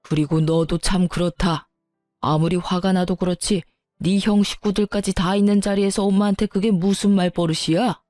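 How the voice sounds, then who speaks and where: A woman voicing a stern elderly father-in-law who talks slowly and weightily. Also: on the low side, steady tone, dark tone, no echo, studio quality, soft background music, close to an everyday voice. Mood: scolding. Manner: slow, weighty, scolding. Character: stern old father-in-law, gruff and blunt.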